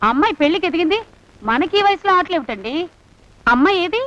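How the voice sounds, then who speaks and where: A woman's voice: extremely high pitch, lively intonation, fairly quick, a bit bright, a little hiss or hum. An actress playing an insistent woman who claims to be a man's wife from a past life, bossy and affectionate. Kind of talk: Telugu film comedy acting. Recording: slightly dull film soundtrack.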